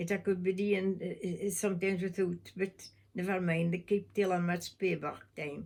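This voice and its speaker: A woman with a North East Scottish accent speaks at a moderate pace, her medium pitch carried on a fairly even intonation. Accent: Doric, North East Scottish. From North East Scotland. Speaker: former fishing line baiter and home help. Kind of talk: oral history interview answer.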